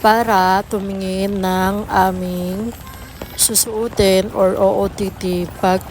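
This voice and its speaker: Casting: Filipino woman, mid-pitched, casual vlog narrator, clearly noisy recording. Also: little pitch movement, takes it slowly, darkish tone. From Philippines. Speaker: family vlogger.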